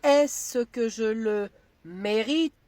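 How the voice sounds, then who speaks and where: A woman's voice: on the high side, extremely slow, darkish tone. A woman playing a cheeky, insolent schoolboy who mocks his classmates.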